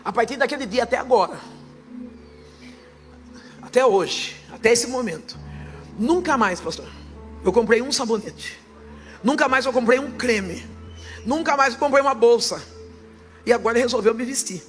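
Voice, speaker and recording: A woman pastor giving her testimony in church, her fervent preaching swelling into loud proclaiming. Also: a little high, lively intonation, normal speed, long pauses, soft background music.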